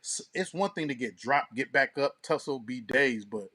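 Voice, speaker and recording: A man co-hosting a casual radio talk show, talking in slangy, profane, animated banter and storytelling. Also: mid-range voice, moderate pace, husky.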